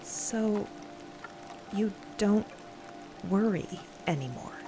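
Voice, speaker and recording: An actress voicing an emotional, sarcastic woman space explorer in an audio drama, with halting delivery. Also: mid-range voice, lively intonation, over music, low-quality recording. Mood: wary, hurt. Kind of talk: dramatic audio fiction acting.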